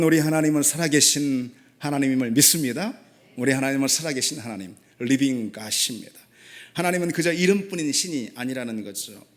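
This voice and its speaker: A man preaching an emphatic sermon, asking rhetorical questions and dropping short affirming asides. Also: on the high side. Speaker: pastor.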